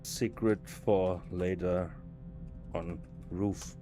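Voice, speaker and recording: A podcast host streams a stealth game live, talking to himself and chatting casually with viewers while often restarting his sentences. His voice sits low and steady, and he speaks extremely slowly over background music.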